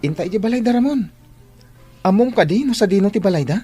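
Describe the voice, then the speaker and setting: A man's voice: high-pitched, expressive, fast, warm tone, faint music behind. A man playing a concerned teenage schoolboy friend in an audio drama, earnest and persuasive. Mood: urging. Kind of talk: Ilocano radio-style drama acting.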